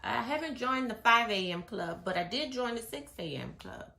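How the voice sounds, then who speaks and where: A woman business coach giving a casual motivational talk, her voice a little hoarse and raspy. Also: fairly high pitch, big pitch swings, normal speed, sharp tone, echoey room. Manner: casual, chatty, reading from notes. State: slightly hoarse.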